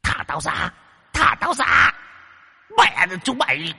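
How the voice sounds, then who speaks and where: A man voicing a vengeful ghost possessing a man, in a shrill, wailing, pleading voice. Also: sing-song, slow, vocal fry, bright, forceful tone, husky, in a large hall, full character voice. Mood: shrieking. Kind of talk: audiobook character voice.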